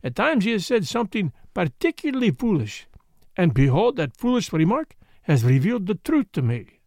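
Detective role: older, French accent, vain yet kindly, formal and theatrical, lively high-set delivery, audiobook. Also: male voice, normal speed, creaky, dry recording, heavily acted. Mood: wistful, reflective. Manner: formal, courteous, emphatic phrasing with inverted word order.

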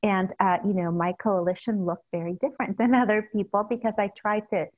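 A woman from El Salvador, a newly elected city supervisor, answering interview questions in an earnest, casual way with many fillers and soft laughs. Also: mid-range voice, fairly even intonation, brisk. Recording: tinny phone line.

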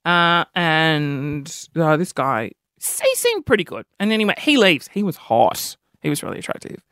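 A man with a high-pitched voice hosting a podcast, telling a story in an animated, self-deprecating way. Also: moderate pace, dry recording, clean studio sound. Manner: animated, self-deprecating, jumps between high and low tones. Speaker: podcast host. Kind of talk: casual storytelling monologue.

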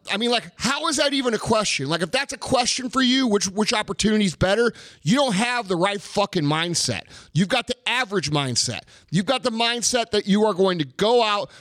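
Captured in a dry recording, this high, fairly bright male voice belongs to a motivational speaker on a blunt rant. Heavy swearing and emphatic repetition hammer home each point.

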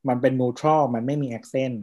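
A man's voice: mid-range voice, fairly even intonation, unhurried, darkish tone. A man co-hosting a casual podcast chat, explaining at length and often restarting his sentences. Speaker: podcast co-host.

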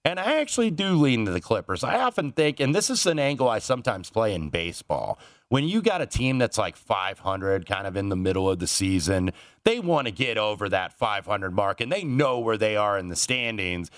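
Low-voiced man, dry studio sound. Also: big pitch swings, a little fast, no room sound. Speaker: sports betting analyst. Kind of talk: conversational odds analysis.

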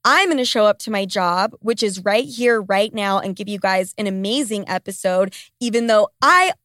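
Clean, echo-free studio sound captures a late-20s woman on a close microphone in her small basement home studio. Her medium-pitched, slightly bright voice is congested and stuffy, and at a moderate pace she hosts solo, candid and casual, swearing and grumbling for comic effect.

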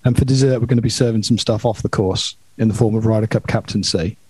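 A man co-hosting a podcast, his voice a little husky and soft-toned, dark rather than bright. He banters in a relaxed, joking way, recorded close and dry with no room sound. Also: fairly low pitch, fast talker, no room sound. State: slightly husky voice. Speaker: podcast co-host. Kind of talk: casual chat.

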